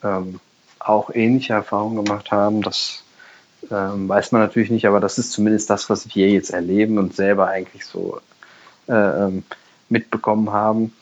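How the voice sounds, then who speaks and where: A man's voice: fairly low pitch, little pitch movement, normal speed. A man in his mid-thirties co-hosting a podcast, speaking hesitantly with many fillers. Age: mid-30s. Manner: hesitant, many fillers, short backchannel replies. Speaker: podcast co-host. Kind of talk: casual chat. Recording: dull lo-fi sound.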